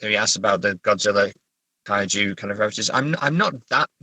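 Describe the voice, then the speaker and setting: A man's voice: lowish voice, fairly quick, sharp tone, dry recording. A middle-aged man with an English accent, an author being interviewed, talking casually in a hesitant, thoughtful, understated way. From England.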